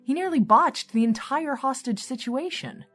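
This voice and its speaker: An actress playing a candid, businesslike senior law enforcement chief in an audio drama. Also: female voice, high voice, expressive, moderate pace, fairly bright tone, soft background music. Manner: businesslike, frank.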